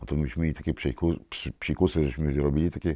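A man with a very deep, low pitch and a dark, mellow tone speaks in fairly even intonation against a quiet background. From Poland, Gdańsk; Poland. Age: 50s. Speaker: local resident sharing memories; oral history narrator. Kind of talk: oral history interview. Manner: halting, with repetitions. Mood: warm, nostalgic, smiling. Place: studio.

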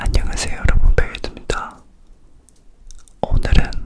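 Soft-spoken and whispering, the voice has a gentle tone. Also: man. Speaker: ASMR creator. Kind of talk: ASMR whisper. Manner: gentle ASMR whisper. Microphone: studio mic.

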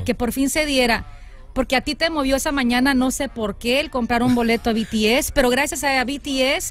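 With music in the background and a dry sound with no echo, a woman talks at a fairly quick pace with a high pitch and fairly even intonation. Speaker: radio host. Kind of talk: casual radio banter. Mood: warm, emotional, grateful. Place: studio. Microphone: studio mic.

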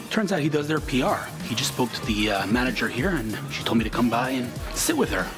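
A man talks very fast while music plays clearly behind him. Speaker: vlogger. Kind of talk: casual vlog chat. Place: hall. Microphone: phone near.

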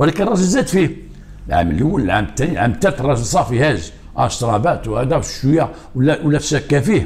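A man's pitch swings across a very wide range. He talks at a fairly quick speed. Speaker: storyteller. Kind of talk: storytelling monologue. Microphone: lapel.

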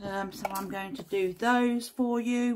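A woman speaks at a fairly slow pace. Her pitch is high. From UK. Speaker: nail art YouTuber. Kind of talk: unboxing and swatching tutorial. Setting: home recording. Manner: animated. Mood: enthusiastic, chatty.

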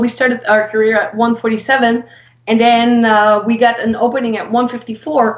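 A woman's fairly high voice at a fairly slow pace, with audible room echo and a quiet background. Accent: Quebec French. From Quebec. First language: French. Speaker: professional boxer. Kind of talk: casual interview. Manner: hesitant, many fillers. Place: home room. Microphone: video call.

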